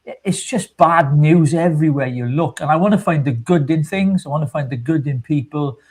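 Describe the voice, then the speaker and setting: Fifties male co-host, casual and sincere, slightly higher pitch. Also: normal speed, darkish tone, slightly rough. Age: 50s. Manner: chatty, self-mocking, sincere. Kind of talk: casual chat.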